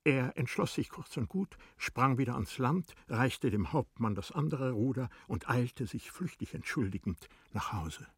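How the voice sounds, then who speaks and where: A man narrating a literary radio play in a measured, deliberate manner, letting phrase endings drop to a hush. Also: medium pitch, animated, slightly rough, dry recording, clean studio sound.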